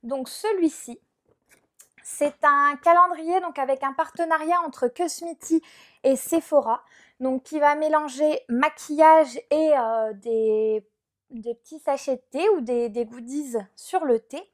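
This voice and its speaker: A woman's voice: high-pitched, slow pace. A young woman chatting through a casual beauty unboxing vlog, with many fillers as she shows each product. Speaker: beauty vlogger.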